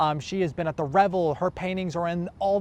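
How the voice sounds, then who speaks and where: A high-pitched man with an American accent talks at a fairly quick pace in an animated tone. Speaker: local TV news reporter. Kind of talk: live stream news segment, casual. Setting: outdoors on location. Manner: casual with many fillers and self-corrections.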